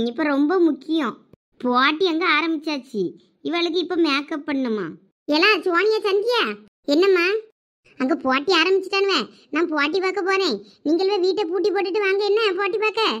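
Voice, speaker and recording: A woman speaks in a very high, bright voice with a thick Thoothukudi Tamil accent. She voices cartoon village women who bicker and tease each other in quick local slang. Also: dull audio. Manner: scolding, lively village banter. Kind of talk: cartoon voice acting.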